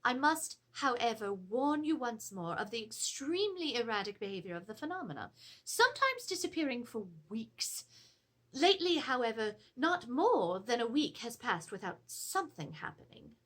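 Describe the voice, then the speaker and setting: Anxious period wife actress, dramatic letter reading, high and very lively voice, formal and theatrical. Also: female voice, moderate pace. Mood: earnest, urgent. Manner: theatrical, expressive, formal storytelling. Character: anxious, genteel Edwardian married lady reporting a haunting. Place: indoors, seated before a draped backdrop.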